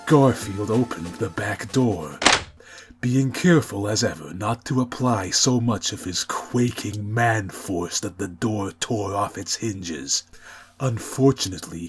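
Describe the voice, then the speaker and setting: A man reading a mock-epic scripted story as narrator, in a pompous, grandiose, deadpan manner. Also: lowish voice, measured pace, over loud music.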